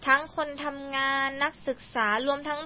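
A young woman hosts a radio-style language lesson, chatting and peppering her guest with prompting questions. Her voice is high-pitched but utterly flat, at a moderate pace. The lo-fi recording sounds dull, with slight background noise.

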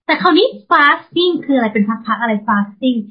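Husky woman co-hosting a radio show. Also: sits high, lively intonation, unhurried. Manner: explains English words patiently, spelling them out. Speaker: radio co-host. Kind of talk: radio vocabulary chat. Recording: dull lo-fi radio sound.

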